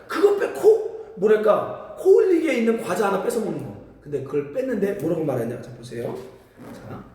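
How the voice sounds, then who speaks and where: Recorded from a distance in an echoey church hall, a man preaches as pastor in the sanctuary at a moderate pace with a high-pitched voice. He tells stories animatedly, performs different voices, and the congregation responds.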